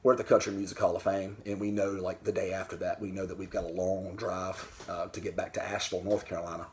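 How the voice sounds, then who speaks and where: A man's voice: low-pitched, level tone, fast talker, darkish tone, a little hiss or hum. A man talking to camera about his records in a candid, rambling way, swearing freely. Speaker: vinyl record vlogger. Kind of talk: casual talk to camera. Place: home den.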